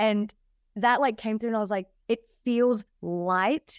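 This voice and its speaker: A woman with an American accent speaks fairly slowly at a fairly high pitch, her pitch varying in an ordinary way. The sound is dry and close with no echo, and the recording is very clean with a silent background. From Australia. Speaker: mindset and manifestation coach. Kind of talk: casual interview chat. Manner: animated.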